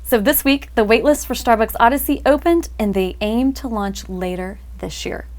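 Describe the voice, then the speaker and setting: A young adult woman with a slightly high voice co-hosts a podcast. She reads news items smoothly and upbeat, then slips into loose, friendly chat. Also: normal speed. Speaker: co-host. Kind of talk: casual podcast chat with scripted news segments.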